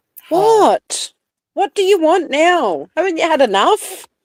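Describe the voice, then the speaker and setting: In a Scottish accent, the speaker goes at a very slow pace. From Scotland. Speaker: livestreamer.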